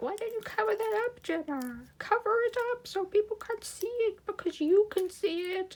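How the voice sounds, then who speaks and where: In a put-on character voice, the speaker sounds whiny at an extremely high pitch, keeping a moderate pace with hardly any pauses. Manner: weird, nagging.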